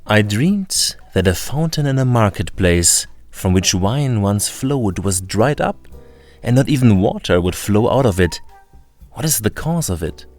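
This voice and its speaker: A man voicing the devil's shrewd old grandmother in a storybook reading, speaking in a hushed, coaxing way. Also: lowish voice, lively intonation, measured pace, faint music behind.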